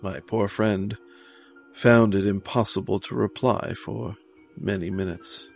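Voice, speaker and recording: A man reading scripted gothic horror narration in a dramatic, measured manner. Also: fairly low pitch, fairly even intonation, creaky. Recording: music behind the voice.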